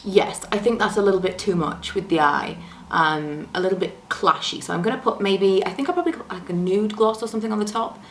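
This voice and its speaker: A young woman doing a chatty, self-deprecating makeup tutorial at home, her voice a little low from a coming cold, speaking close to the camera. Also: a little fast, reverberant, a little hiss or hum. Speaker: beauty vlogger. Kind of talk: casual makeup tutorial chat. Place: room at home, indoors. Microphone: camera close to the face.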